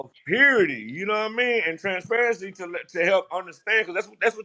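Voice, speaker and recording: Raising and projecting his high-pitched voice, a man speaks with hardly any pauses in a bright, sharp tone, with ordinary pitch variation and big swings in loudness. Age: 40s. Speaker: panel guest, military veteran. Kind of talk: casual discussion.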